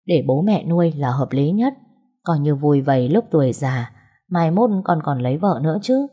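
A woman voicing an older grandmother who scolds fondly and dotes on her grandchild, in a low, husky voice. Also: animated, moderate pace, mellow. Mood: coaxing. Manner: scolding yet doting. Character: older grandmother, fussing and kindly.

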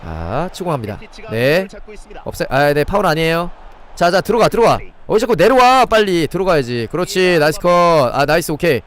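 Excitable man calling live game play. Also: a little high, moderate pace. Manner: excitable play-by-play, chatting with viewers. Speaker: game streamer. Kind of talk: live gameplay commentary.

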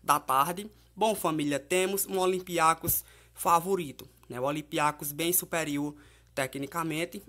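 Here the same kind of Brazilian-accented tipster sounds a little high and fairly bright. He chats casually through football match previews and betting advice, often tacking tag questions onto his sentences.

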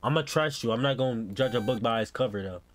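A man's voice: medium pitch, fast. A young American man doing casual, slangy game reaction commentary as a streamer, often exclaiming. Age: young adult. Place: indoor room at home.

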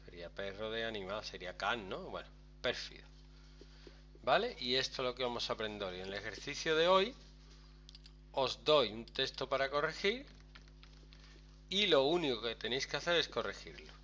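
Male teacher, bright and animated, walking students through a task step by step, faint keyboard typing behind him. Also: mid-range voice, normal speed, long pauses, a little hiss or hum. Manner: lively, chatty, explains step by step with frequent "¿vale?". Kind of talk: screen-recorded software lesson.

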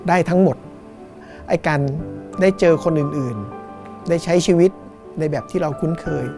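A middle-aged Thai man, a cinema owner, talking thoughtfully in an interview, unhurried and pausing to find his words. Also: on the high side, music in the background. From Thailand. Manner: thoughtful, unhurried, with fillers and restarts. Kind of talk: reflective interview talk. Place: small cinema in front of a screen, indoors.

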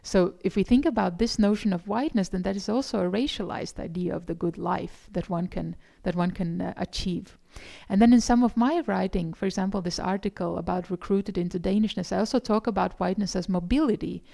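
A middle-aged woman from gives a conference lecture, explaining and reflecting in a halting, thoughtful way. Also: mid-range voice, vocal fry, mellow. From Eastern Europe. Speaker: academic keynote speaker. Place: indoor conference room, presenting in front of slides.

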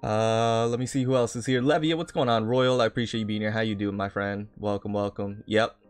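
Low voiced guy doing a casual game stream, chatting to viewers, repeats himself, music behind. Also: fairly even intonation, fairly quick, smooth. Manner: repeats phrases, chatty and informal. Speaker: live streamer. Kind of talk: casual gaming livestream chat, greeting viewers. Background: background music.

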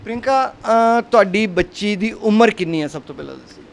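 High-pitched news reporter. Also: male voice, lively intonation, fairly quick, creaky, slight background noise. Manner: frequent "uh" fillers, soothing questions. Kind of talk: street news report and interview.

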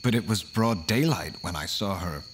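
An actor playing an earnest, haunted man who recounts his horror story in measured, dramatic first-person audio drama narration. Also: low-pitched, lively intonation, a little hiss or hum. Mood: shaken, uneasy.

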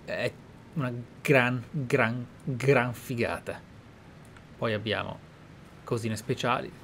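A man's voice: medium pitch, takes it slowly, a bit bright. Italian man commentating over game ambience. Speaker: gameplay host. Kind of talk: casual let's play commentary. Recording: clear background game ambience noise.

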